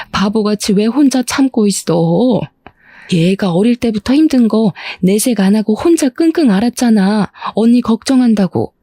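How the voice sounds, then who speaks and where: A woman's voice: mid-range voice, mellow, no room sound, lightly acted. A woman voicing a fierce, protective middle-aged mother who scolds indignantly.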